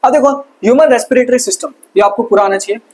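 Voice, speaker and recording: A man teaching a fast exam revision lesson, casual and chatty, asking quick questions and answering them himself. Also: extremely high pitch, darkish tone, rough recording. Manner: quizzes himself with quick call-and-response questions. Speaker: science tutor.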